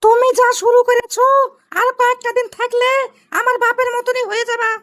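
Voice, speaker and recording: A woman's voice: extremely high pitch, completely flat delivery, a little fast, fairly bright tone, a little hiss or hum. A young woman with a Rajshahi Bangladeshi accent playing an exasperated, scolding village wife in a comedy cartoon. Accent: Rajshahi Bangladeshi Bengali. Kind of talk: amateur cartoon comedy dialogue.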